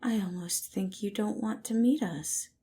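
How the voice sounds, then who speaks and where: A woman voicing a calm, cool man who speaks with composed, brusque authority in an audio story. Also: mid-range voice, unhurried, slight background noise, voice pushed up, close to an everyday voice. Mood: cool, firm.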